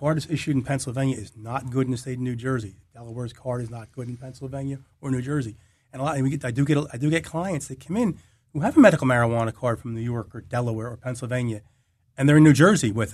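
A somewhat breathy male voice at medium pitch, very fast, with ordinary pitch variation, big swings in loudness and a quiet background. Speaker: criminal defense attorney. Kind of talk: panel discussion. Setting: studio.

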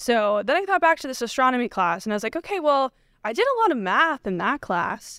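Recorded very clean with a silent background and a dry, close sound with no echo, a woman with an American accent speaks high-pitched at a moderate pace, her pitch swinging very widely. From Pennsylvania, US. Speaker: astronomy research fellow. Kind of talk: interview.

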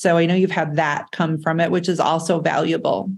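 At a fairly quick pace, a normal speaking voice talks with an American accent. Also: woman. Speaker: realtor and show host. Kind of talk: casual chat. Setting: video call.

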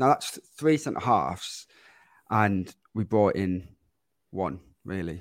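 On a very clean recording with a silent background, a man with a fairly low voice speaks very slowly with lively intonation and long, frequent pauses. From Sunderland, north-east England. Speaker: sports radio journalist, football fan. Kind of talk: casual chat. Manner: halting, stammers on words.

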